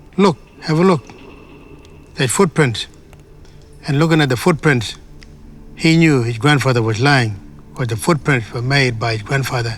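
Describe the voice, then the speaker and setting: A man speaks at a moderate pace in a medium pitch, leaving long, frequent pauses. Music plays in the background. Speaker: storyteller. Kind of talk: traditional bedtime story telling. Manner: casual, conversational.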